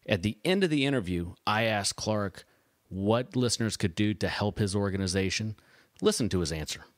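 Male host in his forties, low voice, dry studio sound, steady and conversational. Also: normal speed, dry recording. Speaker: show host. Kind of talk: podcast hosting.

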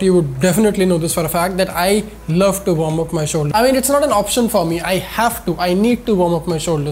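A man's voice: high voice, a little mellow, a little hiss or hum. A man in his twenties with an Indian accent and a nasal, whiny voice stuffed up by a cold and sore throat, presenting fitness instruction to camera with emphatic repetition. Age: 20s. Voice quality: nasal, congested whine from a head cold. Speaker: fitness channel host. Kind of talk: scripted-style instructional vlog to camera. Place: indoor studio with plain backdrop. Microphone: lapel mic.

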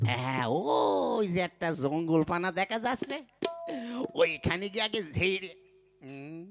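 Man voicing a bumbling village husband, puppet cartoon, high voice, loud and whiny. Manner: loud calling, then groaning and whining. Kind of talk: puppet show voice acting.

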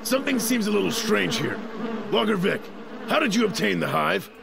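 A man voicing a sensible, steady older bear brother with a gravelly voice in an animated cartoon. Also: high-pitched, moderate pace, background noise, full character voice. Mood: firm. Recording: music under the voice.

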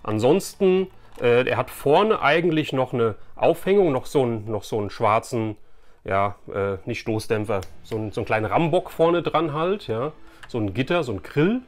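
Chatty middle-aged man, medium pitch. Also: lively intonation, normal speed. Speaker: host of a toy collecting channel. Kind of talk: casual chat to camera. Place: small furnished room lined with collectible shelves, indoors.

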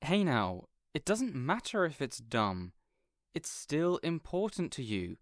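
A man's voice: on the high side, very animated, slow, no echo, studio quality, exaggerated voice. A man playing a kindly, encouraging villain boss in an audio roleplay, speaking earnestly and reassuringly. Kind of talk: character audio roleplay acting.

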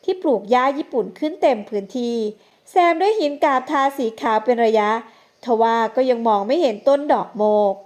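Reading scripted narration for an audio novel, this female narrator uses a high voice. Her delivery is expressive yet measured.

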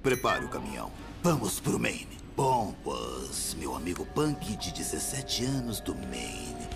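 A man's voice: very deep voice, sing-song, slow, gravelly, full character voice. An actor voicing a scheming male raptor villain in a cartoon, talking in a sly, plotting way. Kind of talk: cartoon voice acting. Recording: music bed behind.

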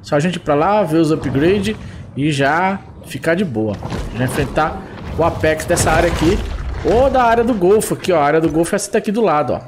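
Excitable man, high lively voice. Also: fairly quick, background noise. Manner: excitable, exclaiming often. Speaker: gameplay streamer. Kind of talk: excited gameplay commentary.

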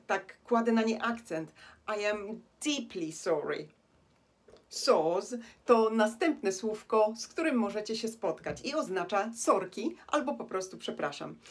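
A woman from Poland gives a language lesson at a middle pitch. She slows down and leans on key words when she reads the English examples. Her tone is explanatory and steady. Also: breathy edge. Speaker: English teacher.

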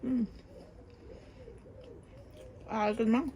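A woman's voice: very fast, warm tone, dull audio, a little hiss or hum. Woman chatting over kitchen clatter. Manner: gossipy, talks with many restarts and fillers. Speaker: vlogger. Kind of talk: casual chatty storytelling. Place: home kitchen abroad.

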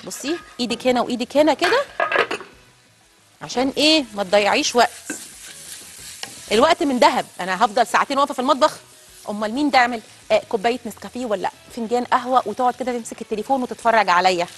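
A woman's voice: a little high, very fast, soft background music. A woman with an Egyptian accent hosting a TV cooking show, chatting straight to viewers as she cooks in a studio kitchen. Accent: Egyptian Arabic. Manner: chatty, addresses viewers directly. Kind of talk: live cooking demonstration.

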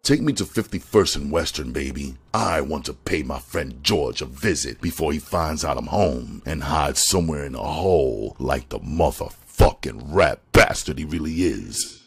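A man reading an audiobook, voicing a cold, vengeful male gangster who gives clipped, slow threats. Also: rumbling low, expressive, breathy edge, heavily acted. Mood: calm, determined.

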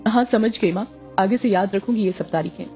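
Brief: an insistent young daughter, read by a woman, mellow voice, faint music underneath. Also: medium pitch, brisk, natural voice. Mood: questioning. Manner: insistent, pleading.

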